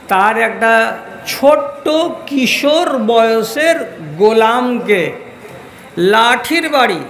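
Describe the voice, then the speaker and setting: High-pitched chanting preacher, echoey. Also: male voice, a bit bright, slight background noise. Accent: West Bengal Bengali. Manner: chanting, sing-song preaching with drawn-out stressed phrases. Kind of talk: sermon. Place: large religious gathering, public address.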